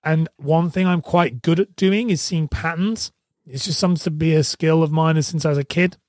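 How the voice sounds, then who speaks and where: A man hosting a solo podcast, his voice hoarse and strained, talking in a chatty, rambling way and correcting himself often. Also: on the high side, steady tone, moderate pace, a little mellow, no echo, studio quality. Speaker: podcast host. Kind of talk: casual solo podcast talk.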